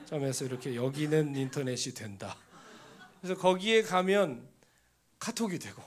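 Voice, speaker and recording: A male pastor in his thirties gives a sermon in a church sanctuary. His voice sits fairly high for a man. He tells stories and sometimes drops to a hushed, almost whispered tone. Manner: storytelling, drops to a hushed near-whisper for inner thoughts.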